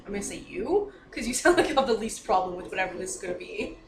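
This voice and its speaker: A woman's voice: medium pitch, expressive, quick pace. A woman playing a tabletop game and chatting casually with the group. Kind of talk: casual chat. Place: indoor room with other players. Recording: echoey room, distant mic, clear background noise.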